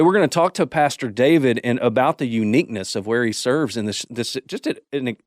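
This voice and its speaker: A man's voice: mid-range voice, dry recording, studio quality. A man hosting a church podcast in casual chat, rambling with many restarts and fillers. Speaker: podcast host.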